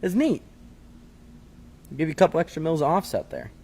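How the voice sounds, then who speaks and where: A man's voice: fairly high pitch, huge pitch swings, vocal fry, a little mellow, breathy edge. A man co-hosting a live show, easygoing and joking, reading out viewer questions. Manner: easygoing, joking, quick asides. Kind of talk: casual chat.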